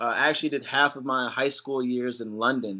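A man's voice with a bright, sharp tone. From US, military family, moved often. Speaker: podcast co-host, tech engineer. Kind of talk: casual chat.

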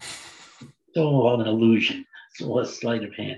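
Somewhat breathy and at a medium pitch, a man talks at a very slow pace. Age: 70s. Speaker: actor and rideshare driver. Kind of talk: casual interview.

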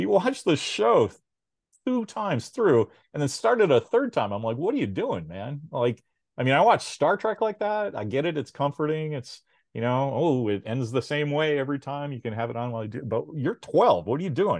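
A man with an American accent speaks at a fairly quick pace in a fairly high pitch, his voice swinging very widely up and down against a quiet background. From United States. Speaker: comics writer and publisher. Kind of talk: casual interview.

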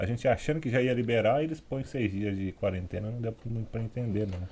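A man's fairly low, somewhat breathy voice with a dark, mellow tone, ordinary pitch variation and a very fast pace. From Brazil. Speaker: entrepreneur. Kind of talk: casual interview. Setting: live video stream.

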